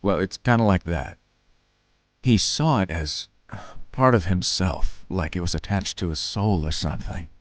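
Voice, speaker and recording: Man acting a low, slow, weary war veteran. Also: no room sound. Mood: grim, haunted. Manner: halting, hesitant, understated. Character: weary male war veteran in the afterlife, guarded. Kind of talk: dramatic audio drama dialogue.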